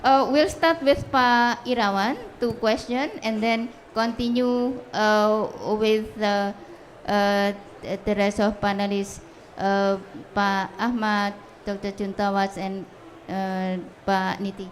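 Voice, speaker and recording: A woman's voice: mid-range voice, steady tone, slow, a little hiss or hum. A woman with an Indonesian accent moderating a conference panel, hesitant, with many fillers and restarts. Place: conference pavilion.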